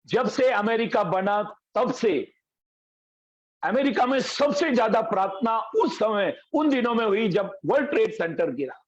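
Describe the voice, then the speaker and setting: A man's voice: sits high, expressive, unhurried, muffled recording. A male pastor preaching a sermon, telling folksy anecdotes and stories, over an online call. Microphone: video call.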